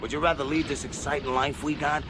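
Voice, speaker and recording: A man's voice: fairly high pitch, little pitch movement, quick pace, noisy background, natural voice. Bossy scheming space scavenger boss acted by a man. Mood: bossy, goading. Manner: domineering, scoffing. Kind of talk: science fiction audio drama acting. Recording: loud music and battle effects behind.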